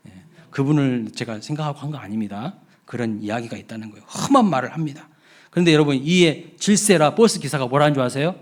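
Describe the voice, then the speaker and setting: A man's voice: mid-range voice, fast. A man, a pastor, preaching a Children's Sunday sermon in church, telling stories and asking the congregation questions. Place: church sanctuary.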